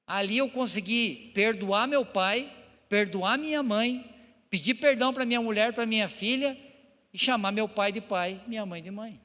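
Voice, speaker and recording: A middle-aged pastor preaching a personal testimony to his congregation, emotional and halting, often turning to address the listeners. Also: high-pitched, bright, forceful tone. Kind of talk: testimony sermon. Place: church hall. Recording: long church-hall reverb.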